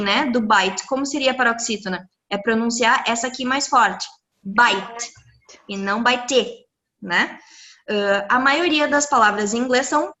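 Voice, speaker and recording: A woman, an English teacher explaining pronunciation rules to students in a live online class over a computer mic, lively and encouraging. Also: fairly high pitch. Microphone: computer mic on a video call.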